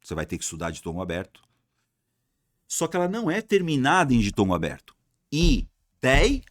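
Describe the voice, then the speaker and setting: With a lowish voice, huge swings in pitch, and a fast delivery, a Brazilian man teaches exam-focused Portuguese grammar online. He keeps it colloquial and casual, repeating key words to drill them and asking students questions before answering them himself. The studio-quality audio has no echo.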